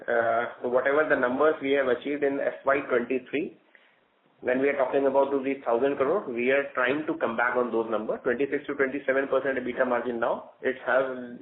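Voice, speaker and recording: A man with an Indian accent, a company executive answering questions on an earnings call in halting, loosely phrased explanations. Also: mid-range voice. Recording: thin, narrow phone-line sound.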